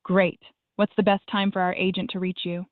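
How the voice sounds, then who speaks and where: A synthetic woman's voice answering calls as a receptionist, polite, even and formulaic. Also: fairly low pitch, fairly quick, no echo. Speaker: AI phone receptionist. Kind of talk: scripted phone answering. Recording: dry tinny phone line.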